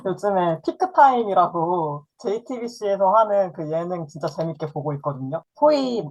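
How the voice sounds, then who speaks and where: A woman in her thirties with a husky voice, chatting casually as a co-host. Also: on the low side, expressive, moderate pace, darkish tone, lo-fi sound. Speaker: podcast co-host. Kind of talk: casual chat. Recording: music playing behind the talk. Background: background music.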